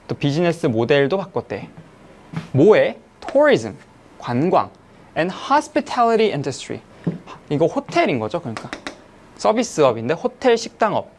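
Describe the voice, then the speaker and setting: Lively English teacher reviewing an exam. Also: medium pitch. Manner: explains step by step, asking and answering own questions; reads English sentences slowly, then glosses them. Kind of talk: online exam-review lecture.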